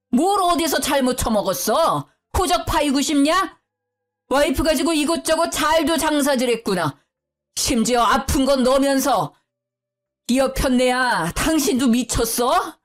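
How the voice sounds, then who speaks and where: A woman voicing a stern older father-in-law who shouts in anger and later pleads gently in a low voice, in a spoken story. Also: expressive, unhurried, faint music behind. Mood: furious.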